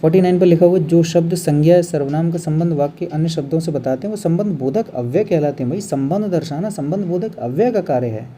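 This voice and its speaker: A man teaching an exam revision lesson on Hindi grammar, explaining step by step and slowing down to show how words are pronounced. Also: on the high side, mellow, a little hiss or hum. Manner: explains step by step, often adds "bhai" and "hai na"; drawn-out, slow when showing pronunciation.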